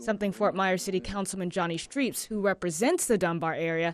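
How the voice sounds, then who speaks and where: In a plain, everyday voice of medium pitch, a woman with an American accent speaks at a fairly quick pace, the sound dry and close with no echo. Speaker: consumer investigative TV reporter. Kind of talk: TV news package voiceover.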